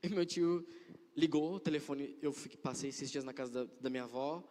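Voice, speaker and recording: Young guy w/ doing a church testimony, kinda high voice, lots of hall echo. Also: fairly quick, mellow, slight background noise. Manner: earnest, repeats phrases for emphasis. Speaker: church member giving testimony. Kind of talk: religious testimony. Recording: long hall reverb.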